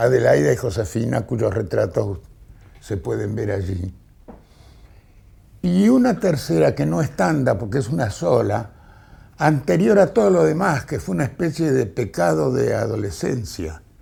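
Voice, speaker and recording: Using vocal fry, a man with a fairly low pitch talks at a fairly slow pace, his pitch swinging very widely between long, frequent pauses. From Argentina, Entre Ríos (Gualeguay). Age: 80s+. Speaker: writer. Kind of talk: interview. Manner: hesitant, with fillers.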